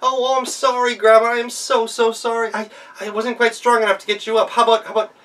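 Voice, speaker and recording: Man putting on a high, clever young girl. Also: flat delivery, fast talker, a bit bright, distant mic. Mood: falsely apologetic. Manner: hesitant, feigned innocence. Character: clever young girl, polite schemer outwitting a wolf. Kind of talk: storybook character voice.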